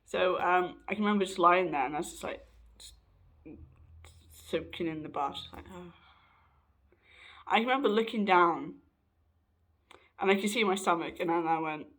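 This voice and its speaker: A young trans man, rambling casually in a personal vlog, often correcting himself and laughing, his voice slightly raspy and hoarse. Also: high voice, normal speed, pauses often, fairly bright tone. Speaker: vlogger.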